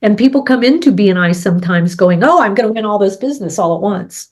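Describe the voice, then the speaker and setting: This co-host talks at a quick pace with an animated, slightly mellow mid-range voice. She's a middle-aged woman with a head cold on a casual business chat, using sports and farming examples to make her points and frequently tossing in "right?".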